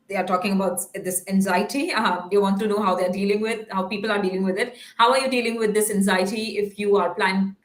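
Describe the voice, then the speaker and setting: A woman's voice: medium pitch, a bit bright. A woman hosting an online talk show, reading out viewer questions with many hesitant fillers. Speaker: show host. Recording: roomy echo.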